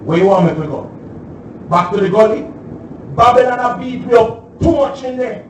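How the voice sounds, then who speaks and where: A streetwise young Jamaican man, played by an actor, raised in pitch and blunt, pleading in his patois. He sounds far off in a very echoey space with a faint hiss behind him, as on a stage recording. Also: moderate pace. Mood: stung. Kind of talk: stage play excerpt.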